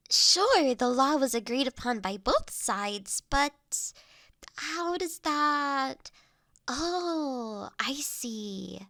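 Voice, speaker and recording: Woman acting a high-voiced, polite, gentle lady. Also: no room sound, clean studio sound, heavily acted. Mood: curious, puzzled. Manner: courteous, formal wording, softly hesitant with pauses. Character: polite, gentle human woman seeking to adopt an automaton. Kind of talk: scripted audio roleplay, intimate and conversational.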